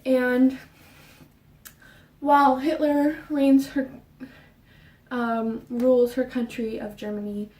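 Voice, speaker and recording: A young woman with a high voice chats about books in a rushed, rambling way, audibly out of breath. She sounds set back from the mic in an echoey bedroom. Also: a little mellow, far from the mic. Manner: fast, rambling, with fillers and restarts. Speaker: book vlogger. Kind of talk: casual book chat. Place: her bedroom.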